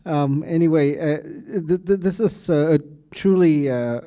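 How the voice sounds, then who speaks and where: A man hosting a university speaker series, effusive in his thanks and halting, with many fillers and stammers. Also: a little high, warm tone, clear, resonant tone. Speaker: university host.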